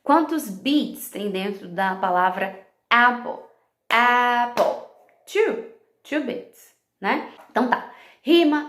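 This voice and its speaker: Woman teacher, gravelly voice, roomy sound, explains step by step for fellow teachers. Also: medium pitch. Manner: explanatory, checks in with "ok?" and "tá?", slips into English words. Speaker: English teacher.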